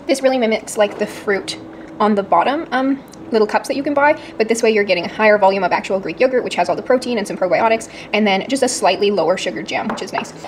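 A woman's voice: mid-range voice, fast talker, slight background noise. A woman fitness vlogger chatting casually at home, explaining what she makes as she goes. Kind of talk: casual vlog chat. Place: home kitchen.

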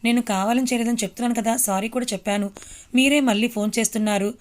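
A woman's voice: fairly high pitch, fairly even intonation, fast, close to an everyday voice. A woman voicing a young housewife and mother who answers a stranger curtly and with irritation. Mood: irritated. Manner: curt, irritated.

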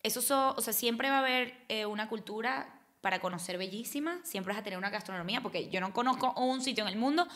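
A woman's voice: fairly high pitch, fast talker, fairly bright tone. A woman, a podcast guest talking emphatically in a casual chat, recorded on a desk mic in a small studio. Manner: emphatic, gestures a lot, restarts often. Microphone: desk microphone.

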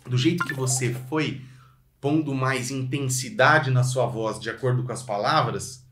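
The recording is reverberant, and the man's voice is medium-pitched. Teaching violin online with a Brazilian Portuguese accent, he addresses the viewer directly and energetically, singing phrases as demonstrations.

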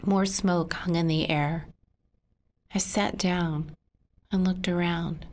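Woman voicing a signed story; slow, soft delivery that often sinks to a whisper. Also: on the low side, fairly even intonation. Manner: hushed, often dropping to a whisper.

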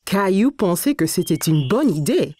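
A woman narrating a scripted children's story in a clear, expressive storytelling manner. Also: lowish voice, normal speed.

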